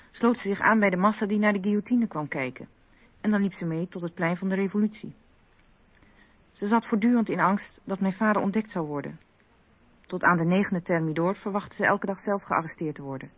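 A thin, phone-like and dry recording carries a woman acting a French noblewoman's daughter. She recounts the past in a measured, narrative way, as testimony in a radio drama. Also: medium pitch, breathy edge, no room sound, close to an everyday voice. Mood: sober recollection. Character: French noblewoman's daughter, recalling her mother's dangers. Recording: thin, phone-like band-limited radio sound.

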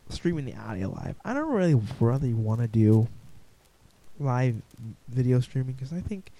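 Young Midwestern guy, gravelly dark voice. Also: medium pitch, very animated, normal speed, highs cut off. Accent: Midwestern American. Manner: rambling, self-deprecating, restarts. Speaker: podcast host. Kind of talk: casual solo podcast chat. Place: home room. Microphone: close desk mic.

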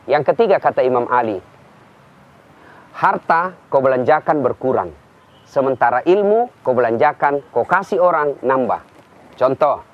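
A man giving a televised Islamic sermon, telling stories with humorous examples. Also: mid-range voice. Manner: lively storytelling preacher, humorous examples. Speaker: Islamic preacher. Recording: dull lo-fi recording.

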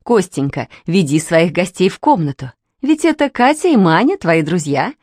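A woman voicing a fussy, excitable, squeamish aunt in a storybook reading, with high shrill exclamations. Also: normal speed, dry recording, clean studio sound. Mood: cheery bustling.

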